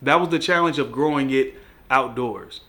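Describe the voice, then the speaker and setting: Young man, congested from a cold, casual chat, laid-back and joking, mid-pitched voice. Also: normal speed, pushed and bright. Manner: laid-back, chatty, laughs at his own jokes. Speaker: plant vlogger. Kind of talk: casual video chat about plant care.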